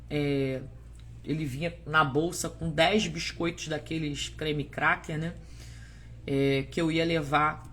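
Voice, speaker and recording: A woman's voice: deep voice, a bit bright, a little hiss or hum. A Brazilian woman missionary giving a testimony sermon over a livestream, preaching fervently and speaking straight to her viewers. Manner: fervent preaching, rising to urgent exhortation; talks directly to viewers with frequent "né?" and "gente". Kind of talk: live-streamed testimony sermon. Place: at home, livestream.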